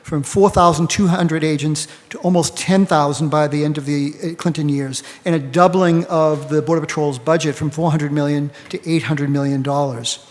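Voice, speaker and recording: A man's voice: fairly high pitch, fairly even intonation, normal speed, few pauses. A man with a Boston accent giving an academic panel talk, lecturing and often checking in with "right?". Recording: long hall reverb.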